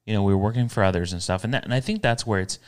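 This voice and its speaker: Deep, smooth-voiced man hosting a podcast. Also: rapid-fire. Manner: rambling, self-correcting, upbeat. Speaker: podcast co-host. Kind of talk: casual podcast chat. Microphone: studio podcast mic.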